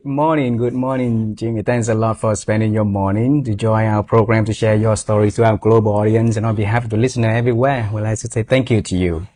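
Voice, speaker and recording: A man's voice: on the low side, fairly even intonation, brisk, few pauses, mellow. A man in his forties with a Vietnamese accent, hosting an interview and speaking earnestly with non-native English phrasing. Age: 40s. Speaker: host.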